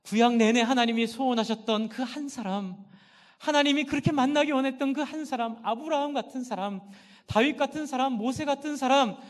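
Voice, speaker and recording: A middle-aged male pastor preaches with fervor, his voice pitched high. He throws questions out to the congregation and answers them himself. His voice rings through a church sanctuary with a long, trailing reverb. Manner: impassioned, asks and answers own questions. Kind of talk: sermon.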